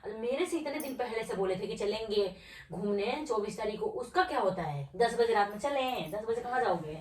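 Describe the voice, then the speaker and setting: A woman's voice: medium pitch, expressive, a little fast. A young wife scolding her husband in a heated, sarcastic domestic argument. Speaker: wife of the vlogger. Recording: echoey room, voice from a distance.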